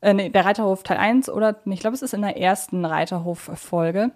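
A woman's voice: mid-range voice, brisk, a little mellow. Chatty woman. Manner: chatty, explanatory with digressions. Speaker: podcast co-host. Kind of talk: casual fan discussion.

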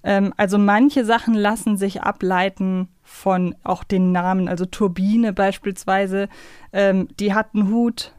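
A woman's voice: mid-range voice, fairly even intonation, unhurried, a little mellow, smooth, dry recording, clean studio sound. A woman talking casually and analytically as a podcast co-host, explaining in loose, chained sentences. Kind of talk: casual conversational fan podcast talk.

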